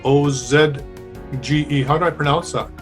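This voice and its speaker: A man with a slightly high voice hosts a live call-in show. He talks in a calm, sure way, with faint music playing behind him. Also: normal speed. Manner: calm, talks about curses and spiritual healing with conviction. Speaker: host.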